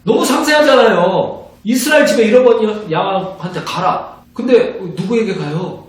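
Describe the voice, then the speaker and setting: A man, a pastor, giving an evangelism training lecture in an animated way, acting out little conversations as he teaches. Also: sits high, moderate pace. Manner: animated, acts out little dialogues in different voices. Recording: very echoey room, distant mic.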